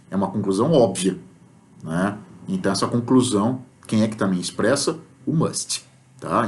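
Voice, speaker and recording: A Brazilian man teaching an English class in Portuguese, explaining step by step and acting out example sentences, often checking in with "tá?". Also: mid-range voice. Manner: explanatory, frequent "tá?" check-ins; lively, acts out example sentences. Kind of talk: recorded remote class lesson.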